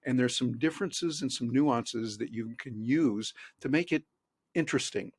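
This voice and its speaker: A man who speaks professionally, talking as an interview guest on a video call in a lively, animated way and acting out quoted voices. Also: mid-range voice, moderate pace, husky, no room sound, clean studio sound. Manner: animated, acts out quoted voices and audience reactions. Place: home office in Orlando. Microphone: webcam on a video call.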